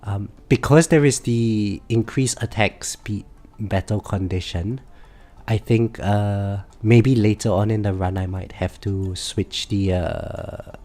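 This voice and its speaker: Congested and nasal from a cold, a man with a lowish voice talks slowly on a live game stream. His manner is relaxed yet hesitant, with frequent fillers and self-corrections. Faint background music can be heard.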